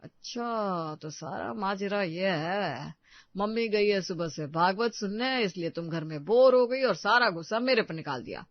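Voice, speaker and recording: A man's voice: sits high, lively intonation, measured pace, no echo. A man voicing a young, patient husband who soothes and jokes with his wife. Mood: teasing. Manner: soothing, joking. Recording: dull, dry sound.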